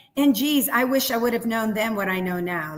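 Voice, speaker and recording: Over noticeable background noise, a woman talks at a very fast pace. Her fairly high pitch shows ordinary variation. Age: 60s. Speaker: mortgage company executive. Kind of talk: interview.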